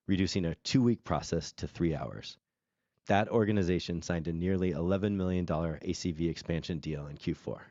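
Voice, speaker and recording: A man presenting quarterly results as a company executive, reading prepared remarks in a formal, measured way. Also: sits low, darkish tone, no room sound, dull audio. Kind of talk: scripted earnings call presentation.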